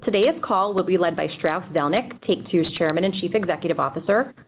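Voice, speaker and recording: A woman's voice: fairly low pitch, lively intonation, fast. A woman reading a formal scripted statement as a corporate investor relations executive on a conference call. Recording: dull, noisy conference call audio.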